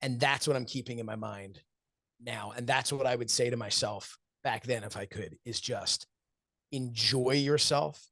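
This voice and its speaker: A man's voice: medium pitch, moderate pace, gravelly, a bit bright, no room sound, studio quality. A man in his forties giving earnest, reflective interview answers, telling stories and acting out what friends said, with frequent laughs. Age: 40s. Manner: earnest, storytelling, acts out quoted friends, laughs often. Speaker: wrestling commentator and show host, interview guest.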